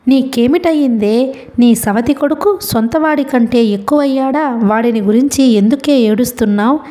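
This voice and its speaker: A woman's voice: a little high, normal speed, mellow, lightly acted. A woman voicing a scornful old grandmother. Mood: scolding. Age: older. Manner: scolding, sarcastic.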